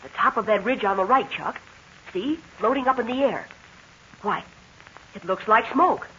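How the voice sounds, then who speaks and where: A woman's voice: on the high side, moderate pace, a bit bright, muffled recording, natural voice. An actress playing a plucky, observant teenage girl in 1940s radio style. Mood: hushed urgency. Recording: thin, hissy 1940s radio recording.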